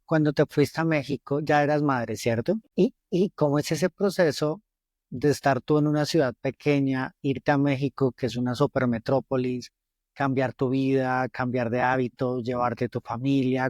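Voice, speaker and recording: A man's voice: mid-range voice, normal speed, a little mellow, no echo, studio quality. A man hosting a conversational podcast interview, speaking in an encouraging, attentive way to his guest. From Colombia.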